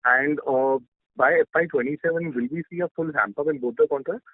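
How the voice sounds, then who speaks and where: A man's voice: a little high, fairly quick, no room sound. Male analyst on a phone line. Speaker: financial analyst asking questions. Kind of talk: earnings call questions. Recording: dry, narrow phone-line audio.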